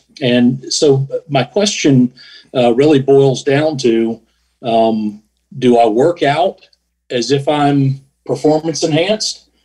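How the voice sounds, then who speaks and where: A man speaks very slowly in a Southern US accent, with long, frequent pauses and a dark, mellow tone. His pitch is fairly high with ordinary variation, his loudness very even, and the background quiet. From US South. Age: 50s. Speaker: caller, military veteran. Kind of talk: casual chat. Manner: halting. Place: home room. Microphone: video call.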